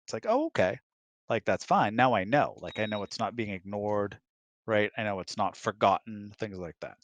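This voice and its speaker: A man's voice: on the low side, expressive, moderate pace, no echo. A middle-aged man chatting casually as a co-host, rambling and acting out imagined remarks as he goes. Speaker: co-host, the husband. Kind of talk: casual chat. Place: close, dry room on an online voice chat.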